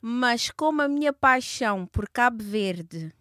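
A woman's voice: fairly high pitch, animated, unhurried, pushed and bright, no echo, studio quality. A woman in her thirties, born in Portugal, speaking as an interview guest in a hesitant, reflective way with frequent fillers and restarts. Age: 30s. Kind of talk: conversational interview.

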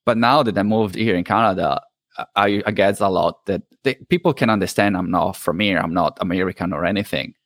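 A man from Italy with an Italian accent mixed with New Zealand English, speaking English as a second language. He talks haltingly as a podcast guest, searching for words. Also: deep voice, no room sound, clean studio sound. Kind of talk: casual interview.

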